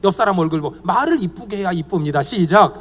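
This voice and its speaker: A man's voice: high voice, fast talker, big-room sound, a little hiss or hum. A man in his fifties preaching at a church retreat as guest pastor, joking and having the congregation repeat phrases after him. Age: 50s. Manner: animated, humorous, leads the congregation in repeating phrases. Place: church meeting hall.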